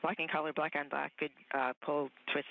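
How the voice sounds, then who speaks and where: A woman relays instructions and readbacks in short, clipped procedural calls over a mission radio comm loop. Her voice carries a gravelly fry and the sound is muffled and lo-fi. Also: low voice, level tone, brisk. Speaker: spacewalk communicator.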